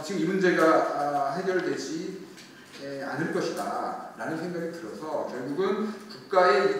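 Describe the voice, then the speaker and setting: A man speaking as a lawyer on a panel at a forum, measured and hesitant, often pausing with fillers. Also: fairly high pitch, recorded from a distance, slight background noise. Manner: deliberate, hesitant, with frequent filler pauses. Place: conference hall at a public forum. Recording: echoey hall, picked up from afar.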